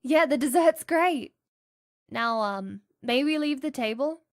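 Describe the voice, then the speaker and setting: Woman playing a high-voiced polite child. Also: expressive, measured pace, no echo, clean studio sound. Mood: gentle, reassuring. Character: polite young child reassuring a parent. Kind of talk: cartoon voice acting.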